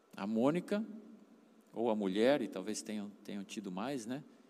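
Audible room echo surrounds a man speaking at a fairly slow pace. His voice is medium in pitch and dark and mellow in tone, with ordinary pitch variation. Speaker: pastor. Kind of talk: sermon. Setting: church service.

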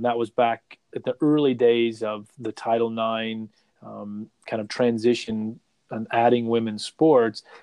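A man with an American accent, dark and mellow in tone, monotone and flat, at a fairly slow pace, the sound dry and close with no echo. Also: medium pitch for a man. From Texas, North Texas. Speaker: soccer coach, former goalkeeper. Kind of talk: interview. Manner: halting, with many fillers.

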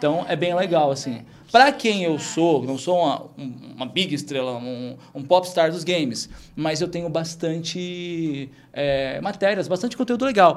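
Here a man speaks with a high pitch and lively intonation. His pace is fairly slow. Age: 30s. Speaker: gamer and influencer. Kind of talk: podcast interview.

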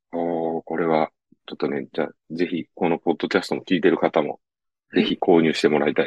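At a very fast pace, a man speaks in a very deep, low voice with vocal fry. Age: 50s. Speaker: podcast interviewer. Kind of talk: casual interview chat.

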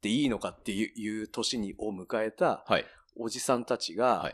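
A normal speaking voice moves at a fairly quick pace over a quiet background. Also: man. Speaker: amateur cyclocross racer. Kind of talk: casual chat.

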